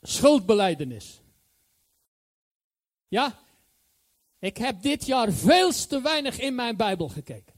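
A man's voice: extremely high pitch, sing-song, slow pace, pauses often. A male preacher giving a sermon, enthusiastic and emphatic, repeating his key phrases.

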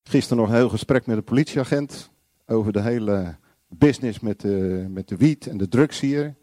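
A man preaching a sermon, blunt and confrontational, acting out little dialogues and shouting single words. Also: lowish voice, normal speed, no room sound, clean studio sound.

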